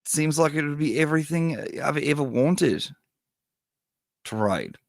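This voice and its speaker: Man, whistling sibilants, creaky low register, dry close sound, casual livestream host chat. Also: animated, unhurried, dry recording. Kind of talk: casual livestream chat, reading out viewer donations.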